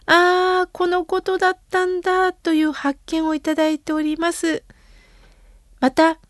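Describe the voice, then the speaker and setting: A woman, a radio host and temple priest, reading listener letters aloud in a gentle, unhurried way and answering them. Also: high-pitched, no echo, studio quality.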